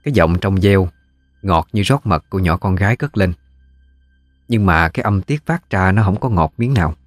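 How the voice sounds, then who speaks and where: A man with a Southern Vietnamese accent narrating a ghost story in a folksy, unhurried way. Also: low-pitched, lively intonation, dry recording, studio quality, faint music behind.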